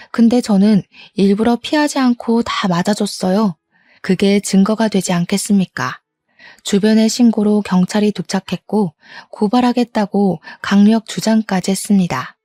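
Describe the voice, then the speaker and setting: A woman's voice: medium pitch, mellow, dry recording, studio quality. A woman in her thirties narrating her own story in first person, indignant and vivid. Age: 30s.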